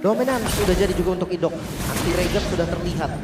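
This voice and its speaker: Fast, high-voiced Indonesian male esports analyst. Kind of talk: analytical live game commentary. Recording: loud music under the commentary.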